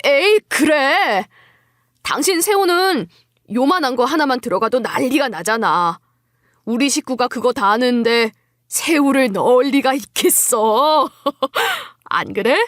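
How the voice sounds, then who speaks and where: High, animated two-faced husband, voiced by a woman. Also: a little slow, no room sound, clean studio sound, heavily acted. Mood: dismissive, evasive. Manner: soothing, wheedling, feigning innocence. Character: two-faced adult husband, falsely caring and dismissive. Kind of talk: dramatised audio story acting.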